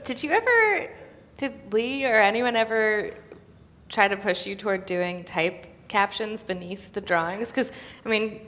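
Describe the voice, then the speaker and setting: A big hall's reverb trails a woman with a bright, crisp-edged voice. She is interviewing on stage, speaking informally and chattily, as if in casual conversation. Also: mid-range voice, animated, unhurried. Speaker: interviewer presenting cartoons. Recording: echoey hall with long reverb.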